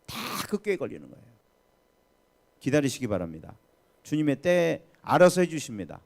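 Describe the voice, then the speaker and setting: A male pastor preaching to his congregation at a midweek prayer service. He is emphatic and keeps putting questions to the people in front of him. His voice leaps up and drops down in a lively, animated way. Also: medium pitch, normal speed, gravelly.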